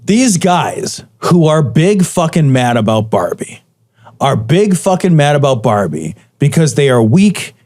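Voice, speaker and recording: Man, high lively voice, sarcastic, indignant, hammers points. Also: measured pace. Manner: indignant, sarcastic, emphatic repetition. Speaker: podcast co-host. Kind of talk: casual chat.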